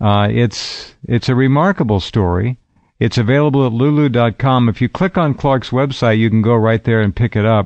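A man uses a normal speaking voice at medium pitch, with ordinary pitch variation, a moderate pace and very even loudness. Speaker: radio talk show host. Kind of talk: radio interview.

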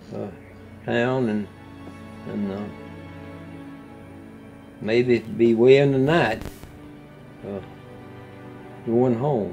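A man with a Southern US accent speaks very slowly at a medium pitch, with ordinary pitch variation. Faint music plays in the background. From Mississippi, US South. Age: 80s+. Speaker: elderly storyteller. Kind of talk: interview answer, oral history. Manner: pleasant, unhurried. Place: home room.

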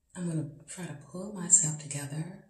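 A woman's fairly low voice with audible room echo. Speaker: lifestyle vlogger; vlogger. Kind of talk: casual vlog. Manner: casual, hesitant with ums. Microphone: phone near.

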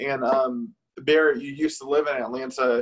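A man with an ordinary speaking voice, fairly high in pitch, with ordinary pitch variation at a fairly slow pace. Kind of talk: casual interview.

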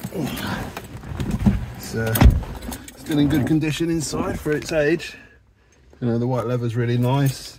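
Loud background noise sits under speech delivered at a very slow pace. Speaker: car seller. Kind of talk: casual sales walkaround. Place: car. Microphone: phone near.

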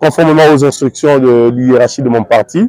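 A man is heard over a quiet background, and the sound is dry with no echo. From DR Congo. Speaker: young party candidate; party politician. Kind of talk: interview. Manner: halting. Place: street. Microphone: handheld.

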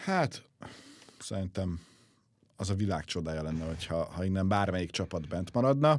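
Here a man talks with a very deep, low pitch and lively intonation. He leaves long, frequent pauses. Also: moderate pace. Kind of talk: casual chat. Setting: studio.

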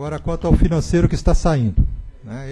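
A man speaks at a fairly quick pace with a fairly high pitch. His tone is dark, mellow and somewhat breathy, with ordinary pitch variation. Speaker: regulatory agency technical staff. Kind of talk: public regulatory hearing. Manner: halting.

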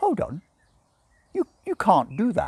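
A man puts on a character voice at a high pitch, with very wide pitch swings and a slow pace. The tone is slightly mellow with a slightly husky edge, in a dry, close sound with no echo.

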